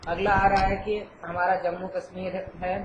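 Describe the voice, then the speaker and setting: A man teaches an exam-prep lecture in a rather flat, steady voice, pausing often to check in with his students. His voice bounces around a bare room. Steady hiss and a dull, muffled tone sit under it. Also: high-pitched. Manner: explains patiently, with frequent "theek hai" check-ins. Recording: echoey, dull, noisy room.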